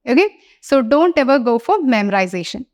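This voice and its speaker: A woman's voice: fairly high pitch, very animated, drawn-out words. A young woman with a Malayali English accent, teaching an exam-prep lesson and switching between Malayalam and English. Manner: mixes Malayalam with English phrases. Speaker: language trainer. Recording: soft music underneath.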